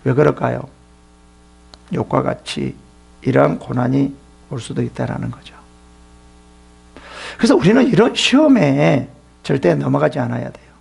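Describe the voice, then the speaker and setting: A man's voice: on the high side, vocal fry, a little mellow, slightly rough. A middle-aged male pastor who preaches a sermon emphatically and uses rhetorical questions.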